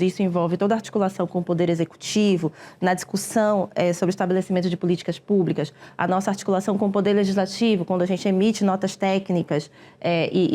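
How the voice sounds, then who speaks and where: A woman, a public defender answering interview questions in a measured, explanatory way with frequent hesitations. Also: fairly low pitch, dark tone. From Brazil.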